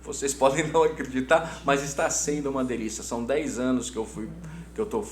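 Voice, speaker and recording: A middle-aged Brazilian hotel business executive answers conversationally as an interview guest, enthusiastic and emphatic, often repeating his words. His medium-pitched voice is steady and a little fast, and the recording has roomy echo with an audible background hum.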